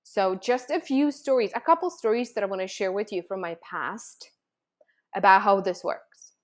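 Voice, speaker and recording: A woman's voice: mid-range voice, normal speed. Chatty woman coach telling stories. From Czech Republic. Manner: chatty, animated storytelling with many "like"s. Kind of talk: casual personal talk to viewers.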